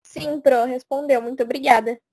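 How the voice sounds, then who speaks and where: A woman's voice: high-pitched, fairly even intonation, moderate pace, vocal fry, darkish tone, dry recording. A young student mediator, a woman, asking questions politely and formally. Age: teenager.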